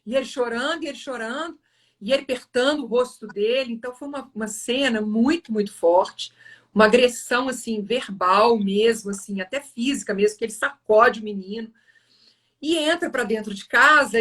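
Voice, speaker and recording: A woman's voice: a little high, fairly quick, fairly bright tone, far from the mic. A woman, hosting a live stream and animatedly retelling a film scene, acting out the quotes. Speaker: host of a spiritual live stream.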